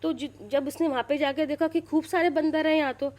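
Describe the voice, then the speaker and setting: A woman's voice: high voice, fairly even intonation, a little fast, a little mellow. A middle-aged woman retelling a religious story in a casual, chatty way, often repeating herself and restarting sentences. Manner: chatty, repeats and restarts, checks listeners follow.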